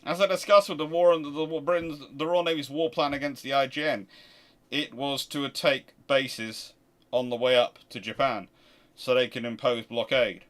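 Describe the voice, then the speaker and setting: A man with a mid-pitched voice talks casually as the host of a live question-and-answer session. He speaks emphatically and makes his points by posing rhetorical questions. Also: steady tone, normal speed, fairly bright tone. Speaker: host of a naval history channel.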